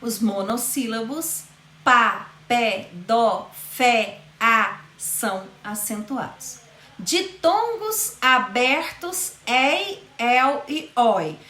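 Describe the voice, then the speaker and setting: Slow, careful woman teacher, echoey room. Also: fairly high pitch, lively intonation, sharp tone. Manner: spells out rules slowly, stretching key words. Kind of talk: grammar lesson.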